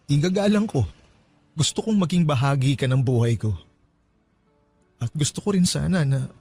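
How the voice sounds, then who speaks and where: A lovestruck young man in a radio love drama. His voice is slightly high and husky, pleading and insistent, with a mellow edge. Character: earnest, lovestruck young man begging for another chance. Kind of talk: radio romance drama acting.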